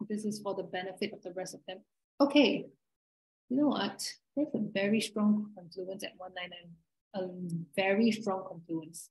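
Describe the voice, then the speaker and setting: A somewhat breathy woman speaks at a moderate pace, her pitch varying in an ordinary way and her loudness swinging widely. She leaves long, frequent pauses against a quiet background. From Malaysia. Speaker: full-time trader and webinar presenter; trader hosting online Q&A. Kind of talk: live trading webinar tutorial. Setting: video call webinar. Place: home room. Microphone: webcam.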